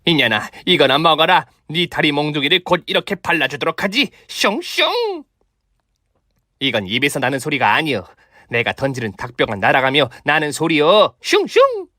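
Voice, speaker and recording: A man's voice: a little high, wildly swooping pitch, moderate pace, bright, forceful tone, no echo, pitched above the performer's own voice, exaggerated voice. A shameless older mother-in-law from a comic radio drama, put on by a man, in a dry, close sound. She is a brash freeloader with a melodramatic, wheedling way of talking. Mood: spiteful, taunting.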